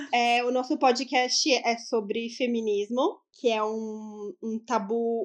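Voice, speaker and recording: A woman talks at a very slow pace. Her pitch is fairly high, and her intonation fairly even. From Brazil, São Paulo city. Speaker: podcaster. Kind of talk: casual chat.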